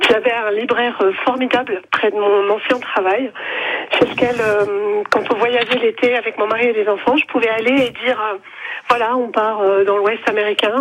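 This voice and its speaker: A woman's voice: fairly high pitch, a little hiss or hum, poor audio. A middle-aged woman from Savoie calling in to a radio show by phone, talkative and eager, with many fillers. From France (Savoie). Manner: eager, talkative, lots of "euh". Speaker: radio caller.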